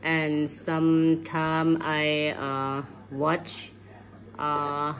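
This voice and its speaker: A woman's voice: low-pitched, completely flat delivery, very slow, slight background noise. A middle-aged woman from Thailand with a Thai accent, speaking hesitant learner's English in an unscripted video message and searching for words. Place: room at home, indoors. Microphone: phone at arm's length.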